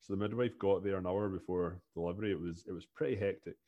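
A man with a Scottish accent talks as a guest on a podcast, his voice sitting fairly low. He is in his thirties and chats freely, often repeating a word before his sentence gets going. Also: fast talker, highs cut off. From Scotland. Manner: chatty, repeats words when starting sentences. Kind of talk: casual interview chat.

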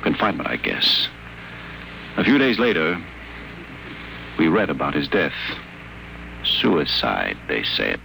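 Deep, crisp, guarded man in radio drama. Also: huge pitch swings, slow, long pauses, pushed and bright, full character voice, rough recording. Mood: grave, confiding. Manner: dry, guarded, articulate. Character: wry, wary male sanitarium patient, recovering addict. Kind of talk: 1950s radio drama acting. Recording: old 1950 radio broadcast, faint noise.

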